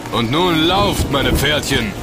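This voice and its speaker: A brisk, respectful coachman out in the street, with clear music and outdoor sound effects around him in a studio radio play. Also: medium pitch, expressive. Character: coachman driving a horse carriage. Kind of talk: German radio drama acting.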